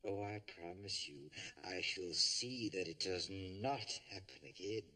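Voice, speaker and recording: An actor playing a pompous, scheming middle-aged resort manager in 1960s TV sci-fi acting, fawning and grandiose. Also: male voice, low voice, measured pace, sharp tone. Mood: oily.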